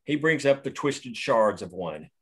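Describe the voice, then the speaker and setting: A man reading the action lines of a screenplay aloud at a table read, steady and plain. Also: mid-range voice, unhurried, breathy edge. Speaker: narrator reading stage directions.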